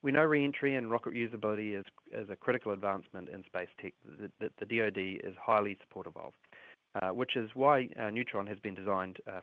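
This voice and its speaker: A man presenting company results as an executive on an earnings call, reading prepared remarks in a measured way. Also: fairly low pitch. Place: conference call relayed on a livestream. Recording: roomy, phone-like earnings call line.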